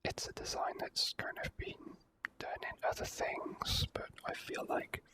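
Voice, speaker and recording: A person whispering softly in an ASMR style while commentating on a video game, speaking in halting phrases with pauses. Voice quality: soft unvoiced whisper. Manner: slow, halting delivery with pauses. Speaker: let's play host.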